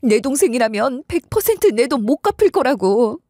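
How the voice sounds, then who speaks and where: A woman's voice: sits high, sing-song, normal speed, dark tone, dry recording, clean studio sound. A woman voicing a desperate older sister-in-law who begs in a tearful voice. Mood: begging tearfully. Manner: begging, tearful.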